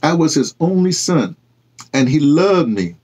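A man's voice: mid-range voice, creaky, a little mellow, husky, voice pushed up. A man reading aloud and voicing a proud, wounded middle-aged planter, stumbling and restarting over the words. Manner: halting read-aloud with restarts.

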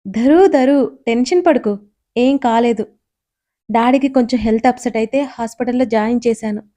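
A woman storyteller voicing a young man who is a teasing but caring old friend, speaking in a playful, gently reassuring way. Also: a little high, moderate pace, natural voice.

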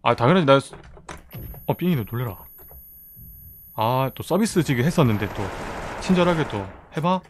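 A man's voice: mid-range voice, animated, moderate pace, pauses often, background noise. Chatty Gyeongsang-accented man streaming a game. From South Korea, Busan. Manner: chatty, reads out chat and thanks viewers. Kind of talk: casual live-stream chat while playing.

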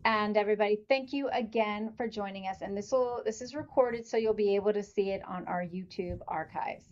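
A woman's voice: mid-range voice, a little fast. A woman host introducing a guest speaker, speaking with hesitant restarts. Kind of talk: casual introduction. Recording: dull lo-fi video call audio.

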